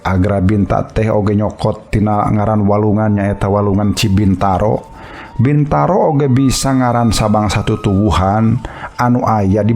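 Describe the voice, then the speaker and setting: A man's voice: fairly low pitch, a little mellow. A man with a Sundanese accent, narrating a folk tale to his listeners as a storyteller.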